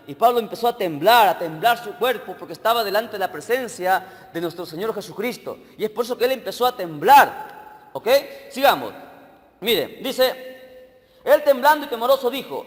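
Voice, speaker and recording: A male evangelist preaching a sermon, emphatic, often asking the congregation questions and swinging between loud and soft delivery. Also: high-pitched, big-room sound.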